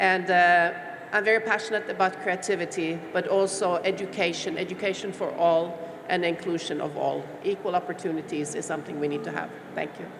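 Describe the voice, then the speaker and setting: Talking at a fairly quick pace, a woman of medium pitch keeps her intonation fairly even. Noticeable background noise and audible room echo surround her. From Norway. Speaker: entrepreneur. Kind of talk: panel discussion. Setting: stage with audience.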